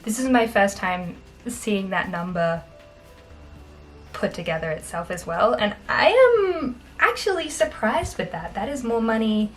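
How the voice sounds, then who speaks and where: A young Australian woman in her twenties, chatting casually on camera in a small bedroom, upbeat and quick to laugh. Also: mid-range voice, lively intonation, faint music behind, low-quality recording. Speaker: vlogger. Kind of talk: casual talking-head finance vlog.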